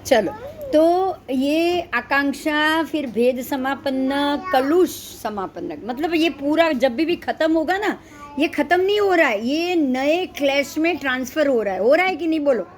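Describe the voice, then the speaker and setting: High-voiced woman teaching scripture. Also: lively intonation, a little hiss or hum. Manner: explains slowly, keeps quizzing listeners. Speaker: religious teacher. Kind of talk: scripture lesson.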